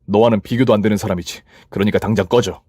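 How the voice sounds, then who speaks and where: A man voicing a boyfriend, a company boss, calm and a little hesitant. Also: fairly low pitch, quick pace, slightly rough, dry recording, studio quality, pitched below the performer's own voice.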